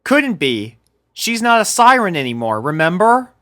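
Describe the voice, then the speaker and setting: A teasing, self-assured schoolgirl as a male narrator plays her talks a little high and brightly. She sounds smug and matter-of-fact, fit for a cartoon story. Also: big pitch swings, normal speed, no room sound, clean studio sound. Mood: confident. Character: calm, smug, teasing teenage girl.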